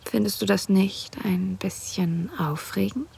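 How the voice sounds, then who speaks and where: An actress playing a playful, teasing married woman in an intimate audio drama, speaking in a relaxed half-whisper. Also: medium pitch, unhurried, vocal fry, a little hiss or hum. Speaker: wife in an erotic audio drama.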